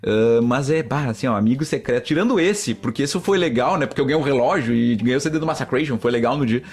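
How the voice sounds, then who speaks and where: Fast, husky podcaster. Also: male voice, medium pitch. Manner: rambling, chatty, often addresses listeners as "gente". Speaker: podcast host. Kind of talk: casual solo podcast storytelling.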